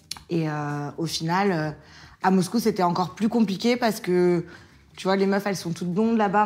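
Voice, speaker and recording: A woman at a medium pitch and fairly quick pace. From Azerbaijan (Baku), raised in Lyon, France. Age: 20s. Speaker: YouTuber. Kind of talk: casual chat. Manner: casual, laughs often.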